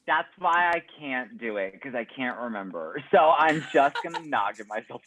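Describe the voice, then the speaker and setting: A woman bantering casually as a game contestant, self-deprecating, with drawn-out deliveries. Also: rumbling low, expressive, fairly bright tone, poor audio. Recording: heavy background noise and clicks.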